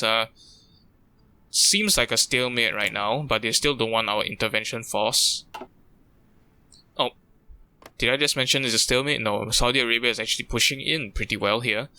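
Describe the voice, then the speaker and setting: A man's voice: medium pitch, pushed and bright, clean tone. A young man from Singapore, thinking aloud in loose, chatty let's-play commentary. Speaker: gaming YouTuber.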